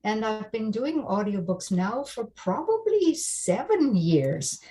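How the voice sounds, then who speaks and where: A woman's voice: medium pitch, big pitch swings, takes it slowly, dark tone. A woman from South Africa whose first language is Afrikaans, an audiobook narrator chatting as a guest over a video call, thoughtful with small restarts. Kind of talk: casual video call chat.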